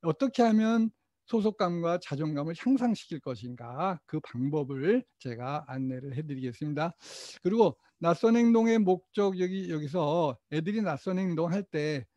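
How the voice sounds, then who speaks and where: A middle-aged man lecturing teachers in a mellow, slightly raised voice. He poses his own questions, answers them and gets the room to repeat after him. The recording is dry and muffled. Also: fairly high pitch, lively intonation, normal speed, no room sound. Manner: asks questions and answers them himself, leads call-and-response, chuckles often. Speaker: teacher trainer.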